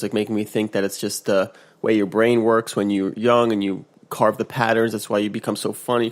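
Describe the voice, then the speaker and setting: A man hosting a casual motivational podcast, just woken up and congested, rambling with restarts and acting out quotes in a higher voice. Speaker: podcast host. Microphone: podcast mic.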